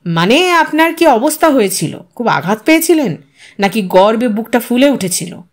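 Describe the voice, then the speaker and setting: A woman's voice: a little high, sing-song, normal speed. A woman voicing an earnest, stubborn male newspaper correspondent in a story, formal in his questions and easily testy. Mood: probing.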